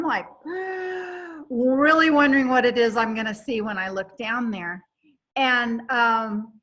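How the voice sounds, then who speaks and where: A woman hosting a chat, telling a long story in an animated, rambling way with many restarts. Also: fairly high pitch. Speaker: host.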